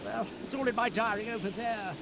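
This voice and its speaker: An actor playing an eccentric old inventor professor in a game cutscene, with a dry, weary manner. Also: male voice, sits high, steady tone, brisk, vocal fry. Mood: rueful. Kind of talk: video game cutscene acting.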